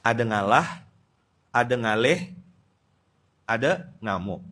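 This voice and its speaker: Bright-voiced, animated Pontianak Malay preacher. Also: male voice, mid-range voice, slow. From Indonesia. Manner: lively, teasing, switches between loud outbursts and quiet asides. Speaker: Islamic preacher. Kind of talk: dawn study-circle sermon.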